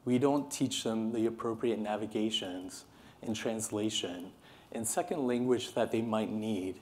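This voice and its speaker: A Californian man in his thirties, American-accented and fairly low in pitch, addresses a seated audience with a passionate, earnest, animated conference keynote. Moving around the stage, he speaks into a podium microphone.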